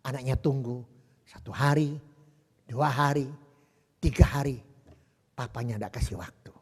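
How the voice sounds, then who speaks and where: A male pastor preaching a sermon, telling a story dramatically and swinging between hushed and loud. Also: medium pitch, measured pace, in a large hall.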